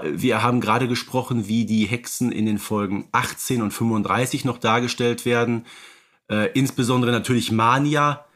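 A man's voice: medium pitch, fairly bright tone. A man co-hosting a fan podcast, talking casually and rambling with many fillers and restarts. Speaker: podcast co-host.

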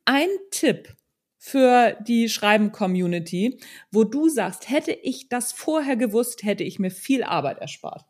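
A woman's voice: fairly high pitch, lively intonation, measured pace. A woman hosting a casual interview, chatty and affirming, often ending phrases with a tag question. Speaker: podcast host, interviewer.

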